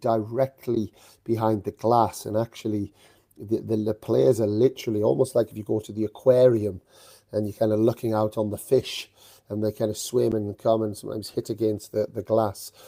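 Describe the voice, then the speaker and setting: Recorded very cleanly against a silent background, a man speaks in a dry, close sound with no echo. His slight Geordie accent comes at a moderate pace, fairly low in pitch with fairly even intonation. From northeast England. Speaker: tennis coach and podcast host. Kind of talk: live stream commentary. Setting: live stream from tournament site. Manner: casual, hesitant with fillers.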